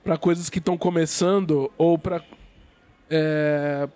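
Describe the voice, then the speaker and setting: A man's voice: fairly high pitch, fairly even intonation, takes it slowly, mellow, no room sound. A man hosting a live interview with a cold that makes his voice a bit nasal, talking hesitantly with many restarts. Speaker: host of a live show.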